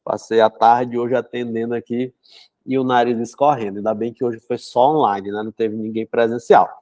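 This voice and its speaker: A young man from São Luís, Brazil, congested with a cold and a runny nose, hosts a book club in a chatty, casual way, dropping fillers and frequent "né?" while he talks live and reads aloud. His mid-range voice is flat, slightly mellow, at normal speed, recorded dry.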